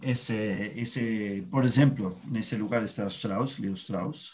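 A man speaks with an Argentine accent at a medium pitch. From Argentina. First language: Spanish (speaking Portuguese). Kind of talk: podcast discussion.

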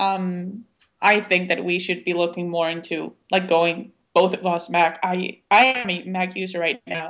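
Woman with a slight Spanish accent, medium pitch, fairly slow pace. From Guatemala (Guatemala City). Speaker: podcast co-host, graphic designer. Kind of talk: casual chat. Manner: halting, many fillers.

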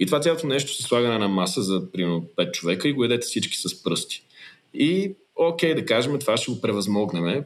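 A man speaks in a medium pitch. His pitch swings very widely. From Bulgaria. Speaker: pilot and aviation engineer. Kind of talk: casual chat. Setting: video call.

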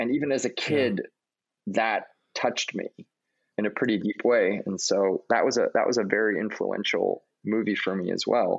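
A man with a Californian accent at a moderate pace. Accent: General American (California). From Los Angeles, US West Coast. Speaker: screenwriter and director. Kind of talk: casual interview.

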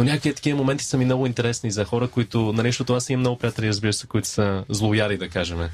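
A man races along very fast with hardly any pauses, keeping a medium pitch and ordinary pitch variation. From outside Bulgaria. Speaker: journalist and documentary maker. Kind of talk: casual chat.

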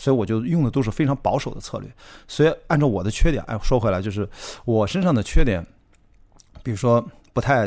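A man at medium pitch talks at a fairly quick pace with lively intonation, leaving long, frequent pauses. The recording is very clean, with a silent background. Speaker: film producer and outdoor sports enthusiast. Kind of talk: casual interview chat. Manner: animated, laughs often.

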